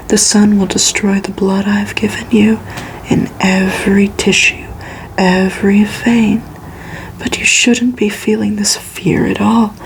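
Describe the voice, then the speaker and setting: Woman doing whispered asmr book reading, super slow and flat, breathy, bit of background noise. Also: mid-range voice, low-quality recording. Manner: slow, measured, hushed storytelling. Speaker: ASMR reader. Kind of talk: whispered ASMR audiobook reading of a gothic novel.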